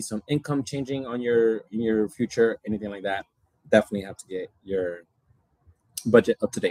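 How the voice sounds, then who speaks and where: Speaking at a fairly quick pace, a man with a non-native accent uses a medium pitch. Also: dry, close sound with no echo. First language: not English. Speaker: financial education livestream host. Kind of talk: live stream talk. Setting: live stream on Facebook and YouTube. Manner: casual, repetitive with fillers.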